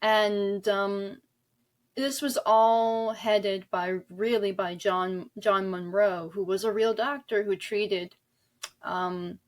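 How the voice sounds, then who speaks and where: A woman being interviewed as an author, talking conversationally and explaining earnestly, in a halting way. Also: mid-range voice, fairly even intonation. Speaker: guest author discussing their novels.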